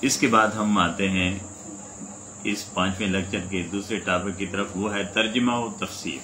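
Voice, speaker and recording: A man gives a recitation lesson in a bright, forward voice. He is patient and sounds out each letter slowly, over and over. The room is echoey, with faint insects chirping behind him. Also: low-pitched, fairly even intonation, a little hiss or hum. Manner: patient, demonstrates sounds by repeating them slowly. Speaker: religious teacher. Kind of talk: spoken lesson on Quranic recitation.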